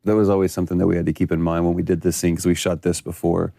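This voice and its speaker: A man's voice: low-pitched, level tone, very fast, creaky, warm tone, no echo, clean studio sound. A man, an actor, chatting enthusiastically on a commentary track and laughing easily. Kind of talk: casual commentary over cutscenes.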